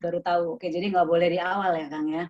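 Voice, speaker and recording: A woman hosting an online talk, responding in a friendly way with quick replies and laughs. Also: on the low side, little pitch movement. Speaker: host. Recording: dull lo-fi sound with faint noise.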